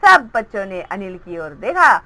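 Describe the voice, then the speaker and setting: A woman's voice: mid-range voice, big pitch swings, moderate pace, pushed and bright, rough recording. A woman teacher explaining a Hindi textbook story, reading its lines aloud and acting out the children's voices.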